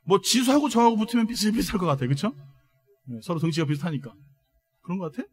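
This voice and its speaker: A man pastor preaching a sermon, emphatic, calling on the congregation to respond and moving between soft words and loud proclamations. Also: sits high, very animated, fast, slightly rough.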